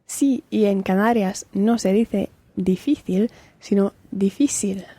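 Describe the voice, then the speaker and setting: A woman reading the part of a friendly Spanish woman in a scripted language-lesson dialogue, speaking in a clear, measured, explanatory way. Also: medium pitch, dark tone, no room sound. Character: friendly Spanish woman chatting about travel.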